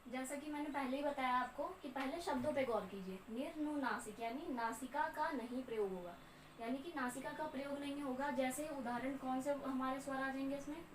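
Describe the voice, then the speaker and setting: A young woman with a high voice gives a slow, repetitive grammar lecture, checking in with her students again and again. She is recorded from across an echoey room, with a faint hum behind her. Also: far from the mic. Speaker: Hindi grammar teacher. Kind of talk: classroom lecture.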